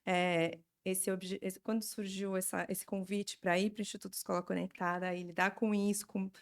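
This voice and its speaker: Brazilian woman in her forties, slightly creaky voice. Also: mid-range voice, little pitch movement, normal speed. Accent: Brazilian Portuguese. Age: 40s. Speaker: interview guest, education NGO representative. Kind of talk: informal explanatory interview talk.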